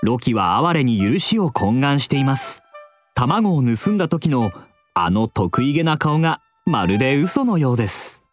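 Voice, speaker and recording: A man narrating a children's story in a scripted, expressive way, with playful sound words. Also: medium pitch, moderate pace, soft background music.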